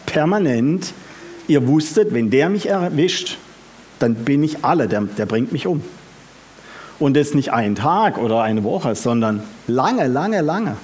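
A male preacher speaks slowly and deliberately at a middle pitch. He keeps turning to his listeners with questions and stresses his words with energy. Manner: asks the audience questions, lively and emphatic. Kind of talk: sermon.

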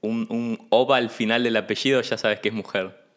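A man's voice: fairly low pitch, steady tone, normal speed, fairly bright tone. A man with a Rioplatense Spanish accent hosting a podcast in a casual chat, asking easygoing questions. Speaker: podcast host.

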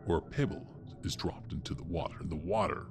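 A middle-aged man speaking as a game master, explaining a role-playing story in deliberate, halting phrases. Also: sits low, gravelly, music in the background.

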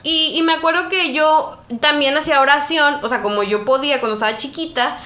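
A young woman co-hosting a podcast, telling personal stories in an emotional, animated way with lots of fillers. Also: sits high, a little fast. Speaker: podcast co-host. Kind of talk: casual podcast chat.

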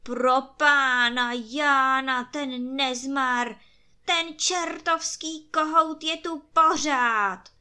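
A woman's voice: high voice, animated, bright, forceful tone, voice pushed up, heavily acted. A woman voicing a grumpy, sleep-deprived emperor in a storybook tale who barks orders at his guards. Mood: exasperated. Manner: barking orders.

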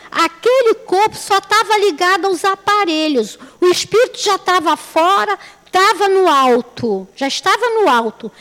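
A woman's voice: very high voice, a bit bright, long reverb tail. A woman giving a religious talk, telling stories in a chatty way, repeating phrases and asking rhetorical questions. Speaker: lay speaker at a spiritist center.

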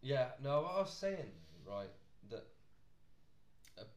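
A man's voice: mid-range voice, very animated, slow pace. A man co-hosting a podcast, chatting in a laid-back, hesitant way. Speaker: podcast co-host. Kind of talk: casual chat. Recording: roomy echo, faint hum.

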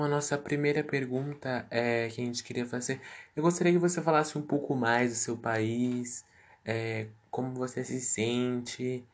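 A man hosting a podcast interview, asking questions slowly with hesitant fillers. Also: mid-range voice.

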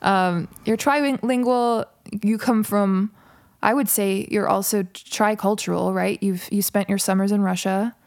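Gravelly-voiced woman interviewer. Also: medium pitch, steady tone, unhurried, few pauses, a little mellow, dry recording, clean studio sound. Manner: enthusiastic, affirming, frequent "mm". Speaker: podcast host. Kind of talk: casual interview conversation.

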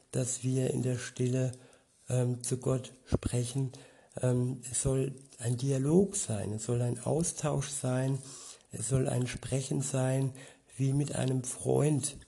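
A man giving an informal Bible teaching, reflective and hesitant, often pausing with fillers. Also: mid-range voice, creaky, dark tone, husky. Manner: slow, reflective, with frequent hesitations. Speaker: preacher.

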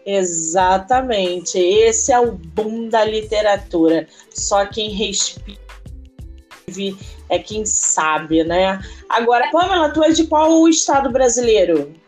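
A woman's voice: mid-range voice, slow, darkish tone, faint music behind. A Brazilian woman hosting a casual podcast interview, speaking informally and effusively.

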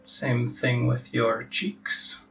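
A man leading a guided relaxation meditation as a teacher, giving soft instructions with long pauses. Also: mid-range voice, little pitch movement, creaky. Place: live group meditation session. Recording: distant mic with faint background noise.

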